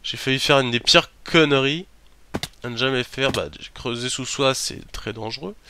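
A let's play host chats his way through a game, muttering to himself and breaking into startled yells and swearing. His voice sits in the mid range at a normal speed, with a faint hiss or hum in the recording.

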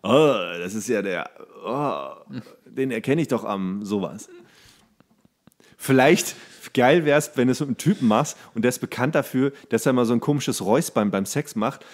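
A man's voice: medium pitch, moderate pace. Man in casual, slangy podcast chat. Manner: slangy, animated storytelling with acted-out quotes. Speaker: podcast co-host.

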